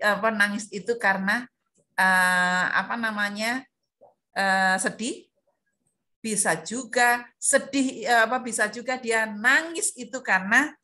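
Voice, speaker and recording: A woman's voice: on the high side, bright, forceful tone. A woman presenting an online workshop for preschool teachers over a video call, quizzing her audience and calling on participants by name. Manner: questioning, drills the audience, calls out participants by name.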